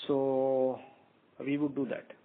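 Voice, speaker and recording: A man with an Indian accent speaking as a company executive, answering questions off the cuff in a halting, repetitive way. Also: medium pitch, little pitch movement. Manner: halting, repeats words and phrases. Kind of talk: unscripted business conference call answers. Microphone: phone conference call. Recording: muffled tinny conference phone line.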